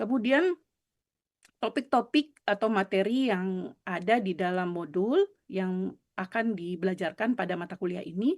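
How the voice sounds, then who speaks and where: Recorded with a dry, close sound and no echo, a woman speaks at a medium pitch and moderate pace with ordinary pitch variation. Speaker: lecturer training teacher educators. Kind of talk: lecture. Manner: halting.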